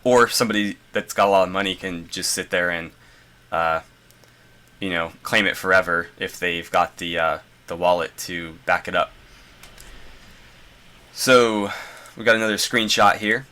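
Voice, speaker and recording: A man's voice: sits low, steady tone, normal speed, pauses often, bright, forceful tone, clean tone. A congested man reading a game design journal aloud and adding casual asides with fillers. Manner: reads passages then adds loose asides with fillers. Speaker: gaming video host.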